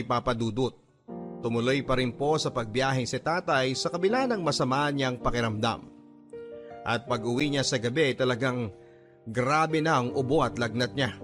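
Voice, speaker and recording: A Filipino man narrates a personal story for a radio programme in an earnest manner. His voice is mid-pitched, with clearly audible music running beneath it. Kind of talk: first-person dramatised letter narration.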